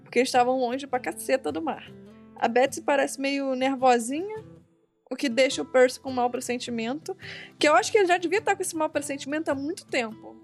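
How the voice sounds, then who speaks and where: A young woman with a very high voice chats about a book she is reading, her stories animated and broken up by laughter. Faint music plays behind her. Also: fairly quick. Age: young adult. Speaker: podcast co-host discussing a book. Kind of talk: casual chat.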